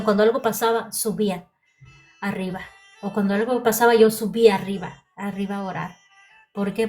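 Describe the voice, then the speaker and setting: A woman's voice: medium pitch, warm tone. A woman preacher giving a heartfelt sermon testimony, often repeating her phrases. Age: adult.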